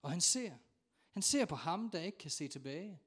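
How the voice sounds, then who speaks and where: A man preaching a sermon in a church, telling stories with dramatic acted-out voices and sudden shouts. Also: fairly high pitch, expressive, slightly rough. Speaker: pastor.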